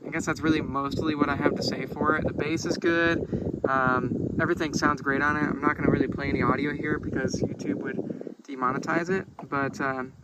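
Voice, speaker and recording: Heavy background noise surrounds a man whose voice is a little high as he rambles through an unscripted product review. He's outdoors on a boat on a lake, sounding laid-back and hesitant.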